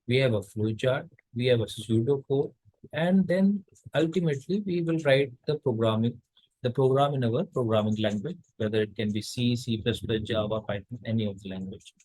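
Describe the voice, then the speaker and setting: A man from India gives a recorded college lecture at a middle pitch. He explains each step patiently, often pausing on fillers and restarting his sentences. The recording is dry and close, with no room sound. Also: darkish tone, dry recording, low-quality recording.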